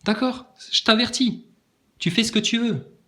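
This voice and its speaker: A man's voice: extremely high pitch, moderate pace, sharp tone. A man giving a sarcastic, emphatic monologue to camera, challenging his critics. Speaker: online video maker answering critics.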